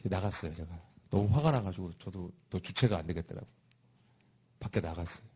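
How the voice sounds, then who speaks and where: A middle-aged man, a pastor, preaching a sermon and telling a family story with sudden loud, emphatic rises. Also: low-pitched, fairly quick, breathy edge.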